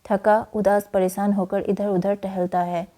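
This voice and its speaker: A woman's voice: mid-range voice, little pitch movement, a little slow, mellow. A woman teacher reading a school play chapter aloud, including its stage directions.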